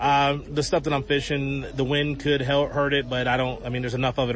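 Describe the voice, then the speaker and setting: Noticeable background noise surrounds a man who speaks very fast at medium pitch with monotone, flat intonation. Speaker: tournament bass angler. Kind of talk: casual interview.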